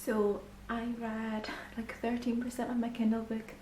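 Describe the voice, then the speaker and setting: A woman's voice: fairly high pitch, completely flat delivery, moderate pace, loud music behind the voice. A young woman with a Scottish accent, chatting casually in a reading vlog from home, full of ums and sometimes dropping to near-whispers. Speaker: book vlogger. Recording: echoey room with faint background hiss.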